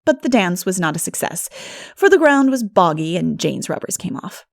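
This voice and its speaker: A woman reading a classic novel as an audiobook narrator, in an expressive storytelling manner. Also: fairly low pitch, moderate pace, creaky. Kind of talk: scripted literary narration.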